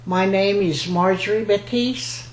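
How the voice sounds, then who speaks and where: An older woman in her seventies or beyond, from rural Louisiana, speaks slowly at a medium pitch. She is a basket maker sharing personal memories in an oral history interview. The room gives a roomy echo, with faint noise in the background.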